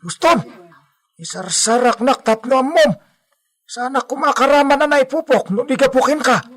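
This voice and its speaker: A man's voice: very high-pitched, moderate pace, fairly bright tone. A man playing an older male farmhand who frets and scolds, sighing and exclaiming as he worries. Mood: worried. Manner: worried, fussing, many sighs and exclamations. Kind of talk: amateur audio drama acting.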